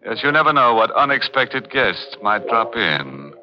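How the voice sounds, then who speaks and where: An American actor playing a gleeful, sardonic horror host in 1940s radio style, with a drawn-out sinister delivery. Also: male voice, mid-range voice, big pitch swings, background noise. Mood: mock-sinister. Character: ghoulish, gleeful male horror show host. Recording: dull old radio recording, organ music behind.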